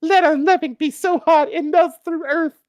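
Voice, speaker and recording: An adoring, seductive storybook lady, put on by a man in falsetto. The voice leaps far up in pitch and oozes longing. It is recorded dry. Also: fairly even intonation, normal speed, no echo. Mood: lustful, adoring.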